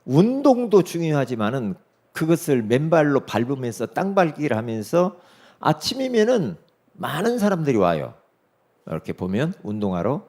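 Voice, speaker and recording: Animated Korean pastor preaching a sermon. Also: male voice. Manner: animated, swings from loud emphatic peaks to hushed low asides; acts out quoted dialogue in his story. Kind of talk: sermon with storytelling.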